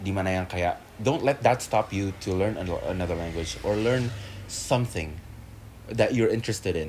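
This man has an unremarkable speaking voice with a fairly low pitch. He speaks at a moderate pace with ordinary pitch variation. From Indonesia. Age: 20s. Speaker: university student. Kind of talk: casual chat.

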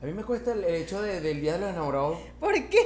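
An animated voice with a Venezuelan accent comes through over noticeable background noise. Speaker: podcast co-host. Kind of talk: casual chat.

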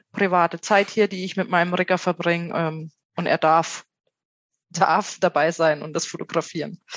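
In a dry, close sound with no echo, a woman speaks with monotone, flat intonation. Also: moderate pace. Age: 40s. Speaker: nude and bondage model. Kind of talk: casual interview. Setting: video call from home office.

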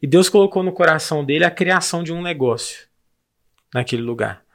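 The recording is very clean, and the background is silent. A normal speaking voice moves at a moderate pace with ordinary pitch variation. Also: man. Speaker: podcast co-host.

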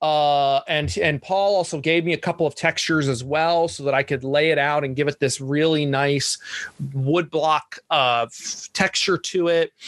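A man with a Texan accent talks at a moderate pace in a fairly high pitch, and the sound is dry and close with no echo. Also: fairly even intonation. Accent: Texan American. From Texas, San Antonio. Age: 30s. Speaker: comic artist. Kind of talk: interview.

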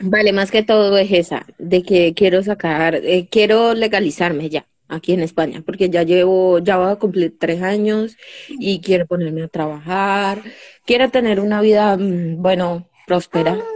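Fairly slow pace, fairly even intonation and medium pitch from a woman. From Colombia. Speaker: caller. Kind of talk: advice call. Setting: live video stream.

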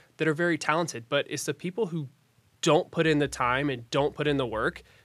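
An unremarkable speaking voice, this man with an American accent talks at a fairly quick pace and fairly high pitch with ordinary pitch variation, recorded very clean and dry, close with no echo, against a silent background. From West Virginia, Eastern Panhandle. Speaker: real estate agent, former college baseball player. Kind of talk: casual interview.

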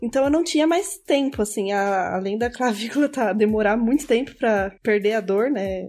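A woman speaks at a moderate pace with a fairly high pitch. The recording is very clean, with a silent background. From Brazil, São Paulo. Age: 20s. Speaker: front-end developer. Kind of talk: casual chat.

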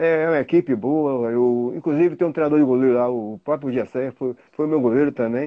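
A man talks with an ordinary speaking voice at a medium pitch and ordinary pitch variation. He keeps a moderate pace with hardly any pauses. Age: 60s. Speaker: goalkeeper coach, former goalkeeper. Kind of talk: interview.

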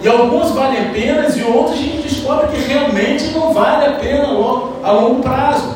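Amid noticeable background noise and audible room echo, a man with an extremely high pitch talks at a moderate pace with ordinary pitch variation and hardly any pauses. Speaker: pastor. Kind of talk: sermon. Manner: casual slangy preaching. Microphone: voice cutting out.

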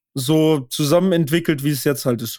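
A man with a Swabian accent speaks at a moderate pace and a fairly high pitch. The recording is very clean, with a silent background. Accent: Swabian, noticeable. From Swabia, southern Germany (Baden-Württemberg), village. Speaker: podcast co-host. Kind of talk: casual chat.

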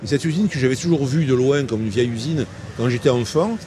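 Very fast, lively speech from a man at medium pitch over noticeable background noise. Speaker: bar patron. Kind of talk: casual chat.

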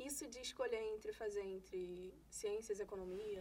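A woman talks with fairly even intonation while noticeable background noise is heard. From Brazil, Rio de Janeiro. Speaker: university student. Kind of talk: podcast interview.

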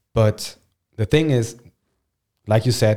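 A man speaks with a German accent at a moderate pace, his voice medium in pitch. His tone is playful as well as dark and mellow. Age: 30s. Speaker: fitness podcast host. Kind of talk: casual chat. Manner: playful, laughs often.

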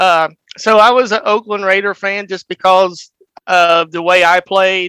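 A man's raised, projected voice with a Southern US accent, high-pitched, bright and sharp in tone, monotone and flat, at a fairly slow pace, with a dry, close sound and no echo. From US South. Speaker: sports betting fan. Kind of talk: casual chat.

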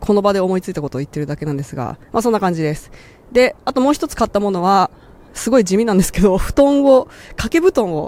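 A woman talks at a very fast pace and a medium pitch. Her pitch swings very widely. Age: 30s. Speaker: YouTuber and podcast host. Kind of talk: casual monthly recap monologue. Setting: outdoors on a rooftop.

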